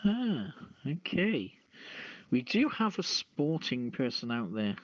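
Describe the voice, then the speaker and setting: Male host, slow halting delivery, casual news-show style, muffled echoey lo-fi audio. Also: medium pitch, sing-song. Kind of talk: reading news and hosting a casual call-in show. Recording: dull, echoey, lo-fi voice chat.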